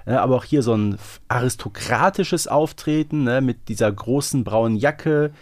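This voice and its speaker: A man's voice: medium pitch, normal speed, a little mellow, dry recording, studio quality. A man chatting casually as a podcast co-host, often seeking agreement with little tag questions. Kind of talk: casual podcast discussion of an audio drama series.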